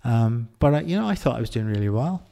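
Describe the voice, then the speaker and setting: Talking candidly as an interview guest, a middle-aged Irish-accented man is reflective and halting, restarting often. His medium-pitched voice is creaky and dark in tone, with lively intonation.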